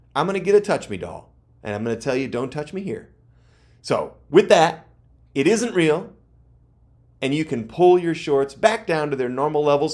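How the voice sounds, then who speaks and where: This man has a fairly high pitch and lively intonation. He talks at a moderate pace. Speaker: comedy news commentator. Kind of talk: comedic news rant. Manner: voice rises when angry.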